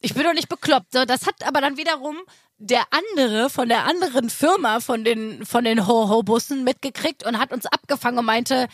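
Podcast co-host, woman from Berlin, high-pitched, animated storyteller, dry studio sound. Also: fairly quick, no echo. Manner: animated storytelling, quoting people. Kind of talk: casual chat.

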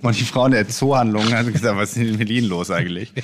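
A man telling an anecdote in casual chat, halting with many fillers. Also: lowish voice, slight background noise.

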